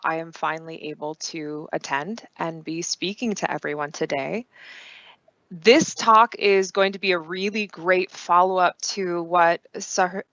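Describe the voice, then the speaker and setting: A woman in her thirties giving a conference talk online, with steady, clearly paced delivery. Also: on the low side, no room sound. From United States. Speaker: conference speaker. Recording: dull lo-fi dry sound.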